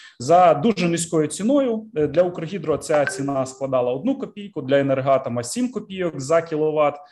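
A man speaks at a moderate pace with a fairly high pitch. Noticeable background noise can be heard. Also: lively intonation. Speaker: energy ministry adviser. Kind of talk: panel discussion. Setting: video call.

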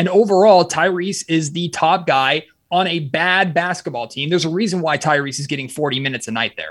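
Using a normal speaking voice, a man talks at a fairly quick pace with fairly high pitch and hardly any pauses. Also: ordinary pitch variation. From Sacramento, California, US. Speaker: sports podcast host and TV reporter. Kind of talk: casual chat.

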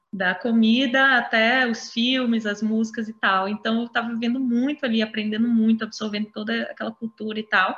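An unremarkable speaking voice at a moderate pace. The background is quiet. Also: woman. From Bahia, Brazil. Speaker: singer-songwriter. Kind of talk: interview.

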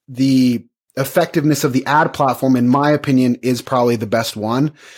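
A man's medium-pitched, an ordinary speaking voice with an American accent and ordinary pitch variation. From Utah. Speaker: real estate agent and content marketer. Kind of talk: casual interview. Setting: call.

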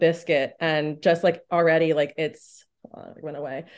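Using an ordinary speaking voice, a woman talks at a fairly low pitch and a moderate pace. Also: quiet background. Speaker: visual artist and writer. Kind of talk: casual chat. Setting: video call.

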